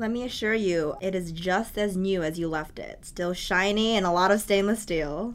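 Audible room echo surrounds a woman speaking at a moderate pace and medium pitch, with ordinary pitch variation and hardly any pauses. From New Jersey. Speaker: student podcast co-host. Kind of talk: casual chat.

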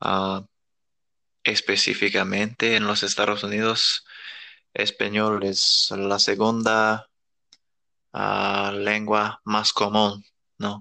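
In an English accent, a man with a fairly low pitch speaks very slowly in a flat monotone, leaving long, frequent pauses. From US South, Alabama. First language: English (speaking Spanish). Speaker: nurse. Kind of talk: casual interview. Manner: halting, many fillers.

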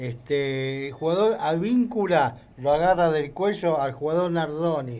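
Speaking at a fairly slow pace with hardly any pauses, a man with a fairly high pitch and a Rioplatense accent uses lively intonation amid audible room echo. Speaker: football commentator. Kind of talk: casual radio talk.

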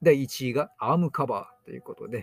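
The man's fairly high voice carries vocal fry, recorded with a dry, close sound and no echo. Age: 50s. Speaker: walking instructor and podcaster. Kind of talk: live-stream monologue. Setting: live audio stream.

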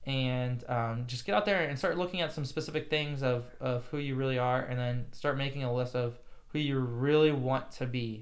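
A man with a medium pitch talks at a moderate pace with hardly any pauses and fairly even intonation, in a room with audible echo. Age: 20s. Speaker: podcast host. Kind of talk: solo monologue.

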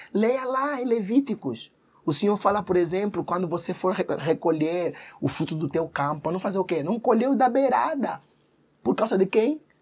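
A man's voice at a fairly slow pace, with very wide swings in pitch. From Angola, Luanda. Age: 30s. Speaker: pastor. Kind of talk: interview.

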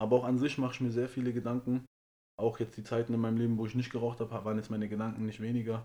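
With a dark, mellow tone and a medium pitch, a man speaks very fast in a monotone, flat delivery. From Germany, Münster (Westphalia). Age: 30s. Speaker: stand-up comedian. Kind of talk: casual chat.

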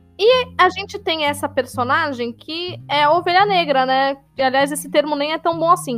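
Over music in the background, a woman talks at a moderate pace with a high pitch, ordinary pitch variation and hardly any pauses. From Brazil. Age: 20s. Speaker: podcast host. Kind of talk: casual chat.

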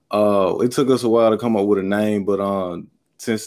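Monotone, flat intonation comes at a moderate pace in a very clean recording with a silent background. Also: man. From Arkansas. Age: 20s. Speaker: podcast host. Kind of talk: casual interview.

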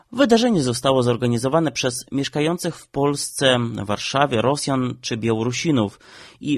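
Against a quiet background, a man with an ordinary speaking voice talks at medium pitch and a moderate pace with ordinary pitch variation. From Ukraine. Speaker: radio columnist, journalist. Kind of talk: read opinion column.

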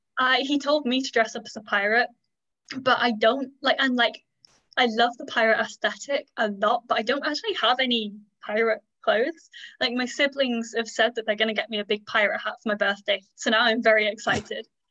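Fast-ish and bright, a woman's high, sharp voice comes through dry and close with no echo, its pitch moving in an ordinary way. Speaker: university student. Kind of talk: casual chat.

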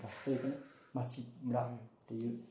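A man talks while noticeable background noise and audible room echo fill the recording. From Ibaraki, Japan. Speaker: rural migration support worker. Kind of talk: casual interview.

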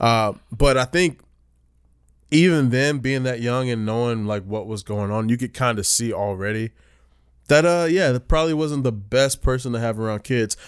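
A man with an American accent and medium pitch speaks at a moderate pace with ordinary pitch variation on a very clean recording with a silent background. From North Carolina, Rocky Mount. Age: 20s. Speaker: touring ice show performer. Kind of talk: casual chat. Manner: animated.

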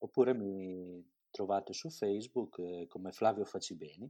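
The man's tone is dark and mellow. He takes a fairly slow pace. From Romagna (Forlì), Italy. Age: 40s. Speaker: photographer of abandoned places. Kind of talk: interview.

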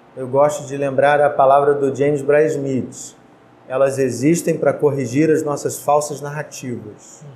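Monotone, flat delivery at a fairly slow pace, with audible room echo. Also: man. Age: 40s. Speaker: church teacher. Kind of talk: Bible study discussion.

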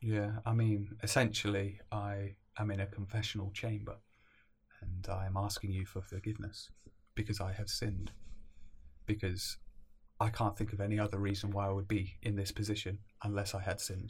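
A man with a somewhat breathy, fairly low voice speaks in a flat monotone at a moderate pace, with long, frequent pauses, on a very clean recording with a silent background. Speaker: guest. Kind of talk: casual comedic chat. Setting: inside a closet, muffled.

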